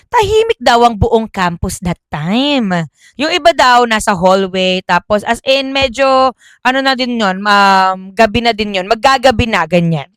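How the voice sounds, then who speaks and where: Lively, chatty woman telling a ghost story. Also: on the high side, measured pace, no echo. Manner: chatty, self-correcting, Taglish. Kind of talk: casual horror storytelling.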